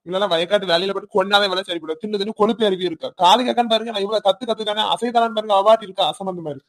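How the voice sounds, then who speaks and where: Cartoon: surly village husband, Tirunelveli accent, quick, dismissive grumbling, middle pitch, voiced by a performer. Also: fairly even intonation, natural voice. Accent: Tirunelveli Tamil. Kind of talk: cartoon voice acting.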